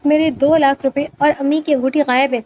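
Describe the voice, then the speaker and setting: A woman voicing a harsh middle-aged aunt who speaks in a shrill, accusing way. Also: steady tone, darkish tone, a little hiss or hum, natural voice.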